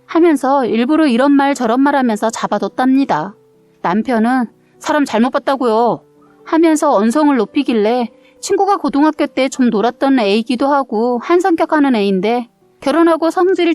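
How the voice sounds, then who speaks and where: A woman reading a submitted story aloud in the first person, with steady narration. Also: sits high, moderate pace, no echo, faint music behind. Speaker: story reader.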